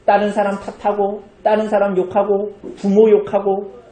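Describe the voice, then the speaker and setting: A man's voice: high voice, completely flat delivery, moderate pace, warm tone, echoey room. A man pastor preaching a sermon in a church, telling the story with animation and putting questions to the congregation.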